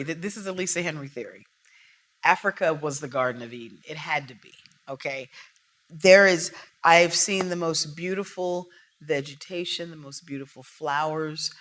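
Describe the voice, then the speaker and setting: A woman speaking as an interview guest, her voice low-pitched yet bright and forceful. She tells her stories in an animated, emphatic way. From United States. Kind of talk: casual interview conversation.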